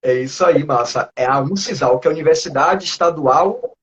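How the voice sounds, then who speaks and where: A man with a Northeastern Brazilian accent, a teacher interviewing a student over a video call, talking in a relaxed, chatty way and laughing often. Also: a little high, normal speed, lo-fi sound, noisy background.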